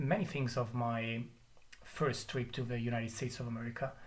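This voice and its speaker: A man speaks in an Italian accent, somewhat breathy. Audible room echo fills the space. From Italy. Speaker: former police officer and YouTuber. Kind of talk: casual vlog monologue. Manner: halting, many fillers.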